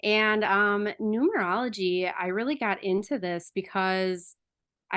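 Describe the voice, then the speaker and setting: A woman speaks with a Wisconsin accent at a fairly slow pace. The background is quiet. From US Upper Midwest, Oshkosh, Wisconsin. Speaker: numerologist. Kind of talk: casual interview chat.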